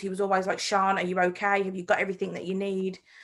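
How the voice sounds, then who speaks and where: A woman speaks at a medium pitch with a Birmingham accent in a very clean recording with a silent background. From England, Birmingham. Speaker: radio documentary maker, prize winner. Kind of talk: interview.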